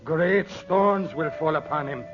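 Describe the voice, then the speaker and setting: An actor playing a servile, superstitious Arab henchman in a 1940s radio drama, speaking haltingly and fearfully. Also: on the high side, muffled recording, natural voice. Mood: grave, fearful. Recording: band-limited 1940s radio recording with music.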